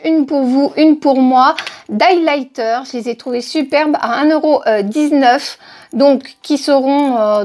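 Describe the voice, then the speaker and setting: A middle-aged woman from France hosting a casual shopping haul vlog, chatty and hesitant, with many fillers. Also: high-pitched. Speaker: haul vlogger.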